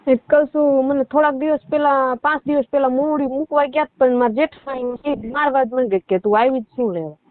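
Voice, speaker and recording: High-pitched rural Gujarati woman on the phone. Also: brisk, few pauses, no echo. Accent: rural Saurashtra Gujarati. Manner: colloquial, rambling storytelling with reported dialogue. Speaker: caller seeking help with a marital dispute. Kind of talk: personal account on a phone call. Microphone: telephone. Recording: muffled narrowband phone call.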